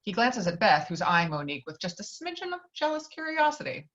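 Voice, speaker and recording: A woman's voice: medium pitch, very animated, a little fast, fairly bright tone, muffled recording. A woman reading out stage directions as scripted narration of a screenplay.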